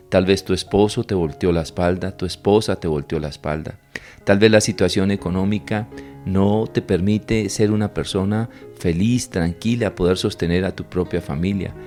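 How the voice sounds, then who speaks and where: Deep, dark-voiced male preacher. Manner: fervent, repetitive, speaks at times in Jesus' voice. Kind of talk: Good Friday sermon.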